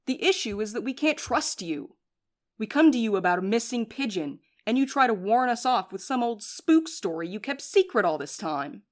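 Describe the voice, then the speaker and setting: A woman's voice: on the high side, very animated, normal speed. A woman playing a blunt, defiant courier in an audio drama. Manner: blunt, confrontational.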